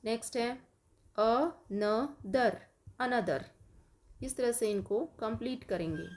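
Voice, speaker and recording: A woman's voice: a little high, brisk, mellow. A woman teacher with an Indian English accent giving an online lesson to young children, dictating word by word and explaining patiently.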